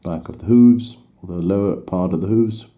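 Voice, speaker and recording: A low, mellow male voice at a moderate pace belongs to a native Swedish speaker guiding viewers through a miniature painting tutorial in English. He sounds hesitant, often stopping to correct himself and restarting as he works.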